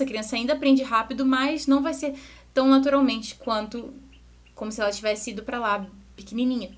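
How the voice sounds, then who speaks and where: A young woman who is a music teacher and channel host talks parents through a lesson in a slightly high voice. Her educational delivery is loose and conversational, packed with small asides and restarted sentences.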